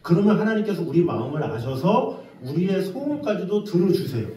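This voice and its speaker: A man preaching a Sunday sermon as pastor, animated, acting out pleading prayers in a high voice. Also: fairly quick. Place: church sanctuary. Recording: echoey church from a distance.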